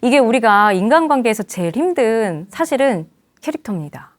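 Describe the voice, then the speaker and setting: A woman's voice: fairly high pitch, fairly quick, no room sound. A woman communication coach lecturing, acting out quoted dialogue in different voices. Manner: lively, acts out quoted dialogue in many voices. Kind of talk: lecture with acted examples.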